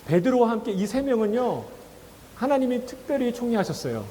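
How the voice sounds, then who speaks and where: A man's voice: very high voice, sing-song, fairly quick, dark tone, long reverb tail, slight background noise. A male pastor preaching a sermon in a conversational way, asking the congregation questions and acting out quoted voices with a chuckle. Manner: acts out quoted voices with laughs. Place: church sanctuary.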